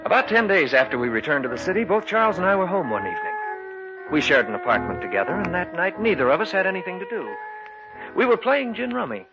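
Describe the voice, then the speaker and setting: A man's voice: sits high, sing-song, fast. An actor playing a young man who narrates his own eerie tale, speaking earnestly in 1940s radio style. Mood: brooding. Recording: dull old radio broadcast with music.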